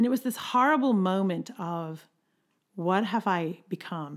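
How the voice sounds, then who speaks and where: The voice carries lively intonation and vocal fry on a very clean recording with a silent background. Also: woman. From Ireland. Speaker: podcast host, documentary maker. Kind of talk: solo motivational talk. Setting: studio microphone.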